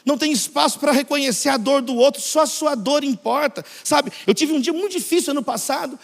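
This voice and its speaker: A Brazilian man preaching a conference sermon in a church auditorium, telling stories with animated voices. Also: very high voice, fairly quick, vocal fry, in a large hall. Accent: Brazilian Portuguese. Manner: animated storytelling preaching, acts out quoted voices. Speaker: guest pastor.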